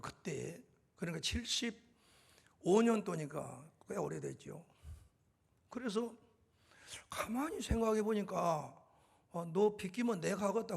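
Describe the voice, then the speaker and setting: An older man preaching a sermon in a church, telling stories and rising to loud, emphatic climaxes. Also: high voice, creaky, husky. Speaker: guest preacher, university president. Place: church sanctuary.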